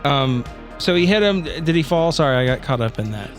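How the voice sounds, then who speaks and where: A man's voice: mid-range voice, animated, fairly quick, faint music behind. Rambling man playing a tabletop game. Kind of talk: casual game chat.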